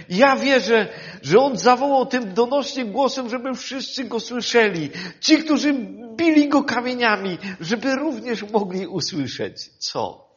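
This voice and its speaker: Male preacher, slow deliberate delivery, fervent swells and hushed asides, muffled lo-fi recording. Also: extremely high pitch. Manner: swings between loud fervent passages and quiet hushed ones; addresses listeners as "kochani". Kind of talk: sermon. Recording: dull lo-fi sound.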